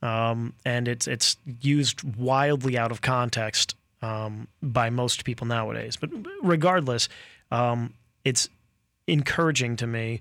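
With fairly even intonation, a man talks at medium pitch in a normal speaking voice. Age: 30s. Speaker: radio co-host. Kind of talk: radio talk show. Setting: radio studio.

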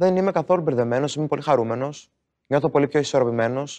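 Against a quiet background, a man talks at a very fast pace. His pitch is fairly high, with ordinary variation. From provincial Greece. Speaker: panel discussion participant. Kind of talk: panel discussion.

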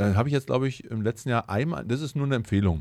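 The recording is very clean with a silent background. Pitch varies in an ordinary way. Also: man. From Brandenburg, Germany. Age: 40s. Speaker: home cinema business owner. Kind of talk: casual chat. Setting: studio.

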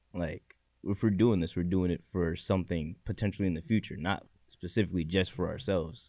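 A man with an American accent and a dark, mellow tone speaks at a fairly quick pace, his very deep, low pitch held in fairly even intonation. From Connecticut, New Haven. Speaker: host's boyfriend, guest. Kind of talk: casual chat.

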